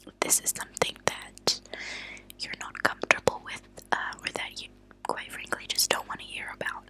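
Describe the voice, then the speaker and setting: A woman hosting ASMR, speaking in a soft, breathy, unvoiced whisper with a hushed, deliberate delivery and pauses. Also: low-quality recording. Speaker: ASMR channel host. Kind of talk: whispered ASMR true-crime reading. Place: at a desk indoors.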